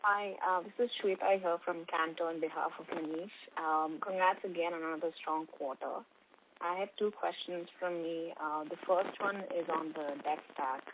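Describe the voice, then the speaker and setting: Low-pitched woman on a noisy phone line. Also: steady tone, moderate pace. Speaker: analyst asking questions on an earnings call. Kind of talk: business conference call questioning. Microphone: telephone conference line.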